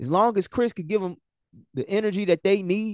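A man speaks in a high pitch with an American accent. His pace is moderate and the background is quiet. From Chicago, US. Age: 30s. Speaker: sports podcast host. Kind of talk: solo sports commentary monologue.

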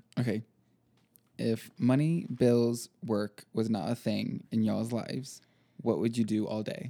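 At a fairly slow pace, a man speaks in a medium pitch with a dark, mellow tone and ordinary pitch variation. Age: 20s. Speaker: podcast co-host, barista. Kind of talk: casual chat.

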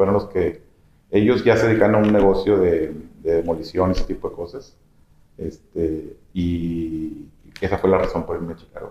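A man's fairly low, somewhat breathy voice, dark and mellow in tone, with fairly even intonation at a moderate pace. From Monterrey, northern Mexico. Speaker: entrepreneur. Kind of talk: interview. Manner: halting.

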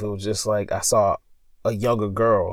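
The speaker has a Southern US accent and fairly even intonation. The recording is very clean, with a silent background. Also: man. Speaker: podcast co-host. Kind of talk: casual chat, storytelling. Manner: joking, playful.

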